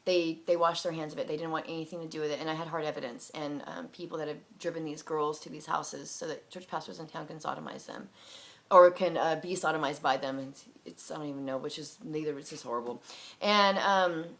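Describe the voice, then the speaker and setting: A young adult woman talking casually to her viewers, rambling with many fillers and breaking into animated impressions. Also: sits low, a little fast. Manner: rambling, filler-heavy, animated, mimics people with loud barking sounds. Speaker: vlogger. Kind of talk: casual talk to camera.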